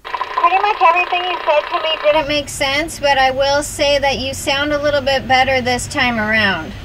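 Woman in her 30s on cb radio, high voice, chatting casually, noisy signal. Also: normal speed. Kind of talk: casual radio check chat.

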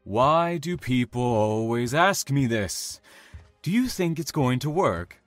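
A man playing a calm, taunting, self-satisfied serial killer in an audio drama, savoring his words with theatrical menace. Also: medium pitch, takes it slowly, dry recording, faint music behind.

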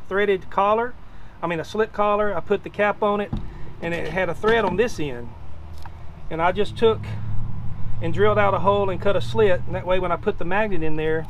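A man's voice: sits high, a bit bright, slight background noise. A middle-aged man casually showing off his gear outdoors by a pickup truck, talking in a folksy, rambling way with lots of "uh" and restarts. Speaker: treasure hunting video host. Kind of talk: casual show-and-tell demonstration.

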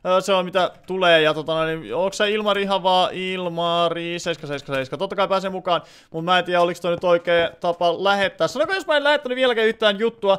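A man's voice: high voice, hardly any pauses, a bit bright, clean tone. A man live-streaming a video game, chatting casually with his viewers and rambling with many filler words.

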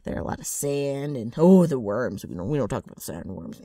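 A woman acts out a brash ghoul woman in an ASMR roleplay, rough and dark-toned. Her pitch swings widely as she wheedles and needles with sardonic mischief. The sound is very dry and close. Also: big pitch swings, fairly quick, no room sound, heavily acted. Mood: wheedling, sardonic. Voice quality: rough, gravelly.

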